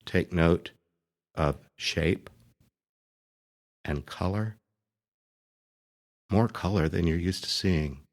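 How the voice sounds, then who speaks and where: A man speaking as a priest leading a guided meditation, gently and deliberately, pausing between short phrases. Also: deep voice.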